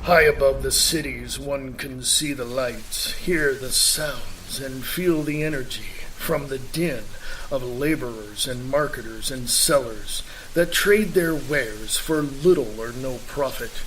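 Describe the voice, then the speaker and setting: A man giving scripted radio narration and promo reads as an announcer, in a deliberate, measured manner. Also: medium pitch, a bit bright, a little hiss or hum, poor audio.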